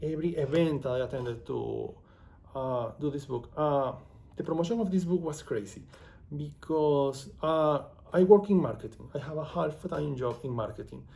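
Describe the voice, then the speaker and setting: A man's voice: fairly high pitch, moderate pace, creaky, warm tone. A man from Venezuela with a Venezuelan Spanish accent, Spanish his first language, chatting casually to camera in a digressive, self-deprecating way. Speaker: author and vlogger.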